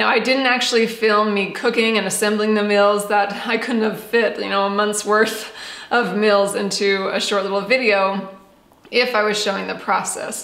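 Audible room echo surrounds a woman whose intonation is monotone and flat. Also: moderate pace. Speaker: home cooking vlogger. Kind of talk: casual vlog chat. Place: kitchen.

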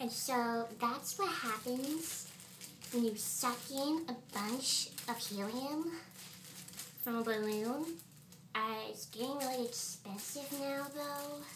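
Against noticeable background noise, a woman speaks very slowly at a high pitch. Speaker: new vlogger. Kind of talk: casual vlog chat. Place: home room. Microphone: webcam.

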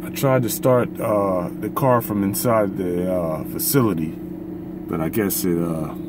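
Noticeable background noise surrounds a man speaking at a fairly slow pace, the sound dry with no echo. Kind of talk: casual vlog chat. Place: car. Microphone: phone near.

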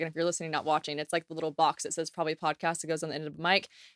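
A woman's voice sounds dry with no echo against a quiet background. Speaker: podcast host. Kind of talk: casual podcast chat. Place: studio. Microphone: studio mic.

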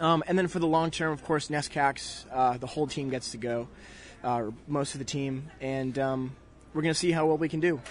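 Fairly even intonation and a moderate pace from a man with an ordinary speaking voice, fairly high in pitch. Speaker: college swimmer. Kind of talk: interview.

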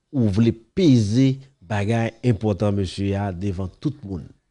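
Speaking at a fairly slow pace, a man uses a dark, mellow tone. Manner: loud, indignant, scolding.

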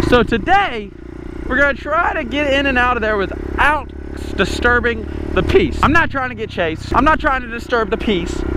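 Speech at a moderate pace, with a dry sound with no echo and loud background noise behind it. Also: man. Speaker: vlogger riding a pit bike. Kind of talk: casual vlog chat. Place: motorbike. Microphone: helmet.

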